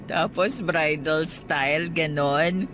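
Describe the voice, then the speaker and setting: A woman's voice: low-pitched, very slow. A woman playing a conflicted young woman in a Tagalog radio drama love story. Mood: tipsy, woozy. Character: conflicted young woman caught cheating on her fiancé. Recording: soft music bed underneath.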